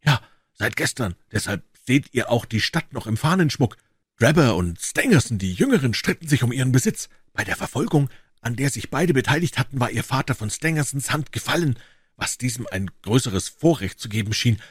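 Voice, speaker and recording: A man voicing a frightened male Mormon rider in an audiobook, talking in a high, urgent, fearful voice. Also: lively intonation, a little fast, breathy edge, no echo, studio quality. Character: frightened middle-aged male Mormon rider, anxious and hurried. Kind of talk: dramatic audiobook reading.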